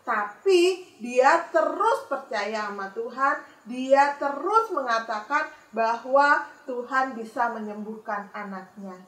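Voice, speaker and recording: A young woman telling a Bible story to children in a church, expressive and speaking straight to the kids. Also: on the high side, takes it slowly. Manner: expressive, addresses children directly. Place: church room. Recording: echoey room from a distance.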